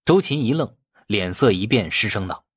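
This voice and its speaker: A man's voice: on the low side, animated, normal speed, husky, no echo, clean studio sound. A man reading a novel aloud as scripted, dramatic audiobook narration.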